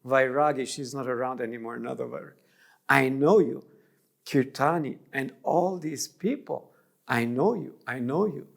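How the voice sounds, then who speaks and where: Man with a gravelly voice. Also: mid-range voice. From Germany. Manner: thoughtful, halting, restarts mid-phrase. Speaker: interview guest. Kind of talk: reflective interview.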